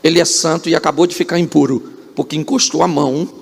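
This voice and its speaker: A man's voice: a little high, steady tone, fast, creaky. A male pastor with a Brazilian Portuguese accent preaching a humorous, dramatic sermon in a church, quizzing the congregation with repeated questions. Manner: dramatic storytelling with sudden rises and drops.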